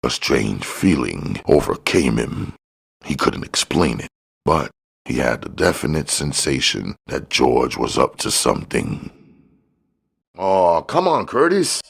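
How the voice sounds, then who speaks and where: A man's voice: rumbling low, lively intonation, unhurried, creaky, husky. A man reading crime fiction aloud as scripted audiobook narration.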